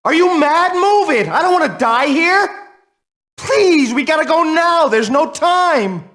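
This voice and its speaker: A man's voice: extremely high pitch, animated, measured pace, a bit bright, full character voice. A man playing an agitated, impatient henchman in a video game, exclaiming urgently. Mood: panicked, impatient.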